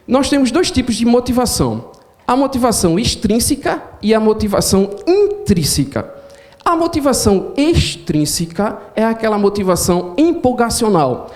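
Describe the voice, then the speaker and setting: A man from Pernambuco, a professor giving an animated storytelling lecture. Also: sits high. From Pernambuco, Brazil. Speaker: professor and speaker.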